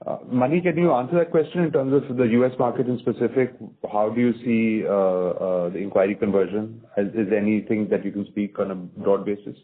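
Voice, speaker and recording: Executive man, steady earnings-call delivery, lowish voice, tinny phone line. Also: fairly quick, few pauses.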